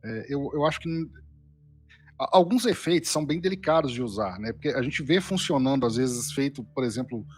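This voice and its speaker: A man's voice: medium pitch, expressive, a little fast, a little mellow, slightly rough. A Brazilian man speaking as a guest reviewer, explaining a casual critique somewhat hesitantly. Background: faint background music.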